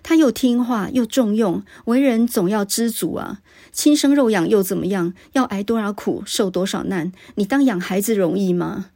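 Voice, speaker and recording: A woman voicing a stern, rough male village hunter, talking firmly and lecturing. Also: mid-range voice, moderate pace, mellow. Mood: stern pleading. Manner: firm, lecturing.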